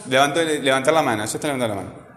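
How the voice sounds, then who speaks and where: A man's voice: mid-range voice, racing, a bit bright. A man teaching a classroom grammar lesson, asking questions patiently and repeating key points. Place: classroom with a voice-bouncing echo. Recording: echoey classroom with long reverb.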